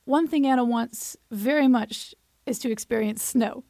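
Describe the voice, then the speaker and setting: A woman interviewer reading out prepared questions in a clear, steady way. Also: a little high, normal speed, dry recording.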